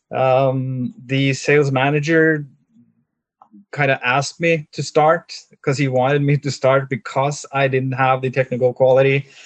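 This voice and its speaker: Speaking in a Norwegian accent, a man keeps a monotone, flat intonation at a fairly slow pace. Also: fairly high pitch for a man. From Norway. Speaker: robotics business development manager. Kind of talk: casual interview.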